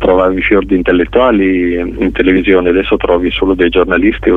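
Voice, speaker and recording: Fairly quick speech from a man, set against noticeable background noise. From Italy. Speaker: musician and writer. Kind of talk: casual interview.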